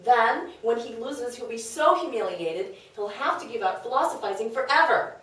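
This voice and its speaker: A woman's voice: a little high, lively intonation, normal speed, a bit bright. A woman playing a scheming, worldly confidante in a comedic table read, persuasive, knowing and emphatic. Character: scheming, worldly, brash female confidante of a wife. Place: echoey room, away from mic. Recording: very echoey room, distant mic.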